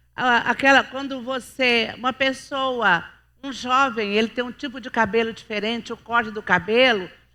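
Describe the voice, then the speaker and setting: A bright, sharp tone at a moderate pace, on a very clean recording with a silent background. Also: woman. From Brazil, Cuiabá region (Mato Grosso). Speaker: seminar speaker at church. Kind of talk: church teaching seminar. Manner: hesitant, many fillers.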